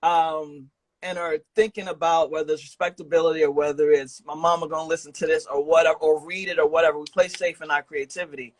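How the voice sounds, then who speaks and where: Male interviewer, casual and slangy, encouraging, slightly high pitch, dry remote-call audio. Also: flat delivery, quick pace, no room sound, poor audio. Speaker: podcast host and interviewer. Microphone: remote video call.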